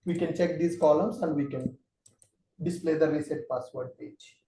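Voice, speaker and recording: A man's voice: on the high side, moderate pace, gravelly, dark tone, roomy sound, rough recording. A man teaching an online class as trainer, explaining patiently and step by step.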